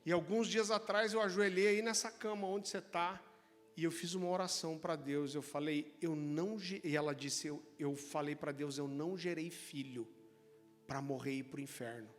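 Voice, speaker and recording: A man with a Brazilian accent quoting a devout, grave mother in a sermon, speaking in a solemn, hushed way. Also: a little high, fairly even intonation, moderate pace, pitched below the performer's own voice, natural voice. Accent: Brazilian Portuguese. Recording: church hall reverb with music.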